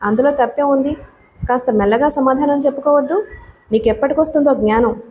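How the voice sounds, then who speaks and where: A woman's voice: high voice, a little fast, darkish tone, slight background noise, natural voice. A woman reading an audiobook voices a stern, worried, ailing older mother who scolds her daughter. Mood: scolding. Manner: scolding, sighing.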